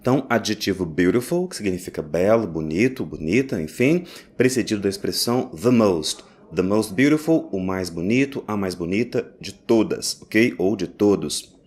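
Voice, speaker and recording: A man teaching English in a recorded lesson, explaining step by step and slowly repeating each phrase. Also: fairly low pitch, expressive, a little mellow. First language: Portuguese.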